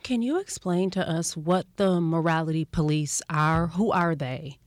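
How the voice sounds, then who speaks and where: A woman hosting an interview show, introducing her guest and asking measured, prompting questions. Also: low-pitched, no echo, studio quality. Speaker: podcast host.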